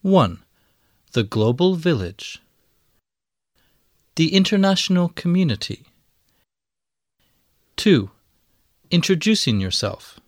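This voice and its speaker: A man reading scripted language-lesson audio, enunciating each word slowly and clearly. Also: a little high, no room sound, studio quality. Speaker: textbook audio reader.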